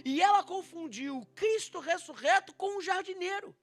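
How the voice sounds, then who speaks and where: A man's voice: very high voice, normal speed, soft background music. A male pastor with a Brazilian Portuguese accent preaching a dramatic sermon, acting out the scripture dialogue and speaking straight to his congregation. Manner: dramatic, acts out the scripture dialogue with loud swings.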